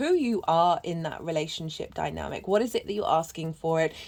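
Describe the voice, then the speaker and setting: A woman at a moderate pace with ordinary pitch variation, in a British accent. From Britain. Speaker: tarot reader and astrologer. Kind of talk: tarot and astrology reading monologue. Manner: hesitant, many filler words.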